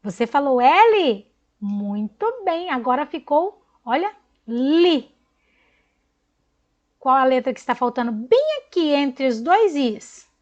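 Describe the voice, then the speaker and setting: Slow, lively-voiced woman teacher. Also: high-pitched, muffled recording. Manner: slow, encouraging, spells out letters and counts syllables. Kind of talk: recorded online class for young children.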